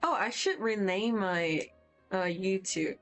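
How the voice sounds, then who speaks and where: A woman's voice: medium pitch, expressive, takes it slowly, faint music behind. Chatty young woman streaming art. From Hong Kong. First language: Cantonese. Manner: chatty and rambling, answers viewer chat as she works. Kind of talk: casual livestream chat while drawing. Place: at home on vacation. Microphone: poor-quality mic.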